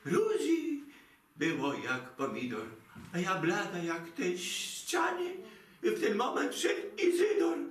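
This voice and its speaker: A man's voice: high-pitched, a bit bright, a little hiss or hum, exaggerated voice. An actor playing a fretful, theatrical elderly Jewish mother who speaks Polish with a Yiddish inflection, lamenting in a singsong voice. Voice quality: singsong lamenting, broken grammar. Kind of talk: comic stage monologue. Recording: roomy, distant mic.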